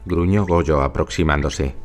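A man narrating a story in an expressive, dramatic reading style. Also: extremely low pitch, unhurried, faint music behind.

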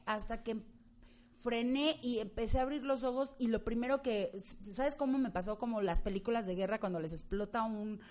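Mexican woman telling a lively story. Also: on the high side, normal speed. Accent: Mexican Spanish. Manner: animated storytelling, acts out her own past shouts. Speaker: guest telling her story. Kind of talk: casual chat.

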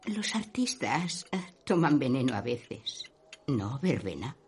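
A sympathetic, gossipy woman shopkeeper for a radio play. Her voice is very husky and deep for a woman. She muses theatrically, with animated rises and falls. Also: takes it slowly, heavily acted. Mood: musing. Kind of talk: Spanish radio play acting.

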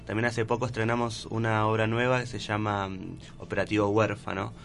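A man's voice: lowish voice, level tone, a little fast, gravelly, fairly bright tone. A man with a Buenos Aires accent talking casually as a guest in a radio interview. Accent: Buenos Aires Argentine. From Argentina, Buenos Aires province. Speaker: guest, clown theatre performer. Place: radio studio. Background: music.

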